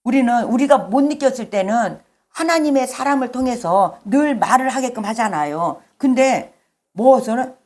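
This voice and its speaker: A woman pastor delivers a sermon in a church service. She talks in a conversational way and keeps quizzing the congregation with questions. Her voice sits a little higher than most women's. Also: lively intonation, moderate pace, a little mellow.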